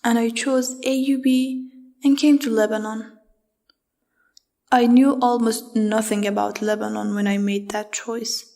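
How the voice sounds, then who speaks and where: A young woman from Afghanistan, a student, narrating her own story in a slow, measured and heartfelt way. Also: a little high, level tone, dark tone. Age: young adult. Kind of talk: reflective personal narration.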